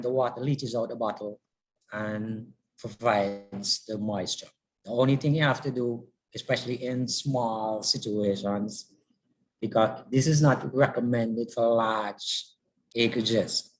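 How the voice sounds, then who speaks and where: Man explaining, mid-pitched voice. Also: poor audio. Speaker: presenter. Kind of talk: step-by-step practical explanation.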